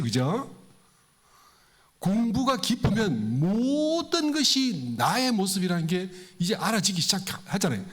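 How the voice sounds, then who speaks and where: A male preacher talks to his congregation in a temple hall. He keeps asking them questions and acts out the voices of people in his stories. His voice sits a little high and swings widely in pitch. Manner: conversational, asks the congregation questions. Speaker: pastor. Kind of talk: sermon.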